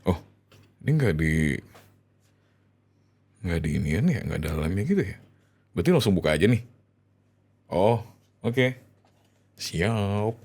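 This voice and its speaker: A low-pitched male voice, slow and frequently pausing, performs an ASMR piece as a doting, excitable husband speaking with his wife. His manner is hesitant and expressive.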